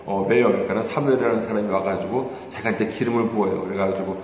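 Pastor preaching in a very echoey hall. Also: male voice, lowish voice, fairly even intonation, fast talker, a little mellow. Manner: conversational, asks the audience rhetorical questions; hesitant with many fillers, chuckles while telling stories. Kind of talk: sermon. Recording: very echoey hall, faint room noise.

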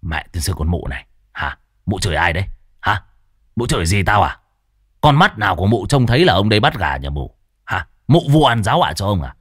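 Man doing a gruff young troublemaker, low rough voice, dry close sound. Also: very animated, a little fast, fairly bright tone, no echo, heavily acted. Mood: aggressive. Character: surly young village thief, coarse and swaggering.

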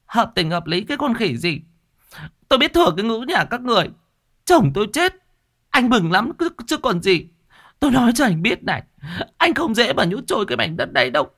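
Man voicing furious village widow, shrill, very high, rapid scolding, storytelling. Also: sing-song, fairly bright tone, full character voice.

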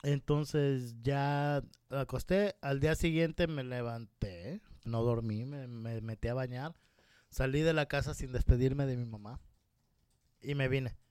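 A man's voice: medium pitch, a little slow, smooth, dry recording, studio quality. A man from Mexico with a Mexican accent, casually telling a personal story and acting out the voices in it. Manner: lively anecdotal, acts out quoted voices.

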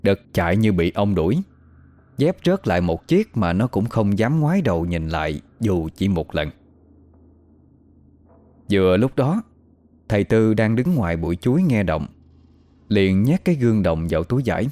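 A man telling a horror story in slow, even, suspenseful narration. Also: on the low side, no room sound. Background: faint music.

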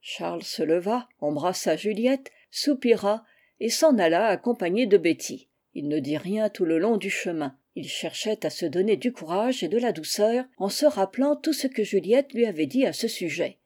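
Mellow-voiced woman reading a novel aloud. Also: lively intonation, moderate pace. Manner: reads all characters, announcing each speaker name in a lower, softer voice. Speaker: audiobook reader. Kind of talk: audiobook reading of a classic novel.

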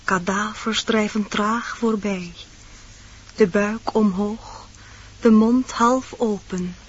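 A gentle, hopeless dove recites mournful radio-play verse. The voice is fairly high and unhurried, on a dull old recording. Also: male voice, fairly even intonation, husky, exaggerated voice. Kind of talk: theatrical verse radio drama.

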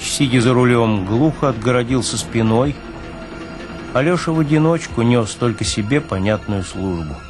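A man narrating literary fiction in a dramatic, performed reading style. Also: medium pitch.

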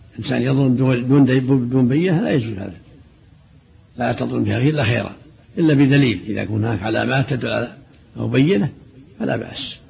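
An older man, an Islamic scholar, giving a religious lesson, briskly quoting texts and then explaining them plainly. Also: mid-range voice, a little mellow. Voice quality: gravelly, very husky. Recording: dull lo-fi archive recording.

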